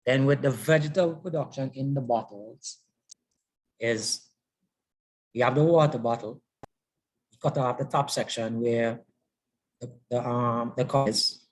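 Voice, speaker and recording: Male presenter, medium pitch, step-by-step practical instruction. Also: measured pace, pauses often, rough recording.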